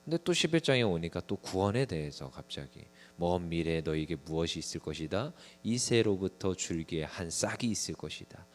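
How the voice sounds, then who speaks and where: A young adult man delivers a lively, conversational sermon to a small congregation, acting out little scenes as asides. His low voice moves fairly quickly with hardly any pauses, over slight background noise.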